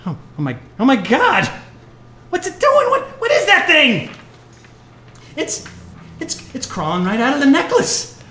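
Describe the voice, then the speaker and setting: A woman's voice: sits high, wildly swooping pitch, unhurried, pauses often, a bit bright, slight background noise, heavily acted. Woman playing a swooping, sardonic jazz-cat musician. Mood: terrified. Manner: hep-cat slang, sardonic, stammers when rattled. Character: bitter, wisecracking retired jazz musician, male. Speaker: actor in a live audio play. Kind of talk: live noir radio-play acting. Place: live on stage in a club.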